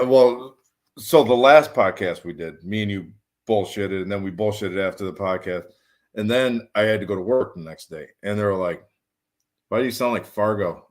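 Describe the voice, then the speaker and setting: Man, michigan accent, animated storyteller, acts out quotes, laughs a lot, podcast guest. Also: lowish voice, moderate pace. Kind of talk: casual chat. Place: home studio.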